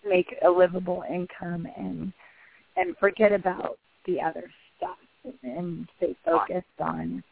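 A woman in her thirties with a husky voice, an actress guest talking casually in a rambling, chatty way with many restarts. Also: lowish voice, unhurried. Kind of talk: phone interview. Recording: tinny phone line.

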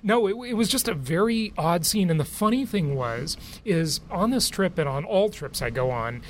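A man's voice: high-pitched, lively intonation, moderate pace, a little hiss or hum. A man hosting a podcast, telling a travel story in a chatty way, laughing often, then interviewing a guest. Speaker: podcast host. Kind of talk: casual monologue and interview. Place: aboard a cruise ship.

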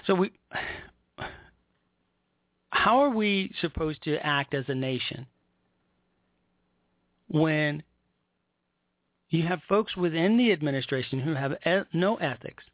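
Casting: American man, political talk host, slightly high-pitched, emphatic and indignant, heard over a tinny phone-quality line. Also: lively intonation, no echo. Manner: emphatic, indignant, deliberate phrasing with repetition. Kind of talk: political commentary with read-out news articles.

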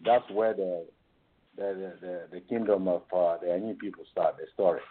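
A man with an Ivorian accent and a fairly low voice explains history as an interview guest. His delivery is measured and halting. The sound is a narrow, tinny phone connection. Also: fairly even intonation. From Ivory Coast. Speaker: guest on a call-in show. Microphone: phone call.

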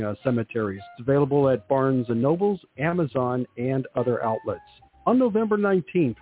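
A man co-hosting a radio talk show, reading out past guests with many fillers, his voice going hoarse. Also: medium pitch, narrow, tinny audio. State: losing his voice.

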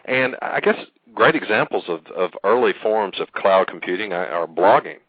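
A man with a deep voice co-hosting a podcast, speaking earnestly and hesitantly, with many pauses. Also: lively intonation, slightly rough, no echo. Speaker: podcast co-host. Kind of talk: casual podcast conversation. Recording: tinny phone-line call audio.

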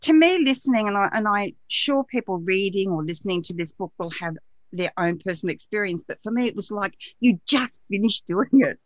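A woman hosting a live-streamed interview, gentle and effusive, greeting viewers and reading out their questions. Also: medium pitch, expressive, brisk, dry recording. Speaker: radio show host.

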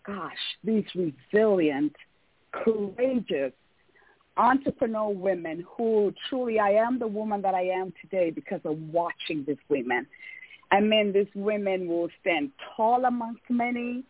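A woman's voice: mid-range voice, expressive, measured pace, breathy edge, no echo. A woman from Tanzania, a life coach, speaking earnestly and emphatically as a radio interview guest. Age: adult, came to America at seventeen for college. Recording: phone-line audio.

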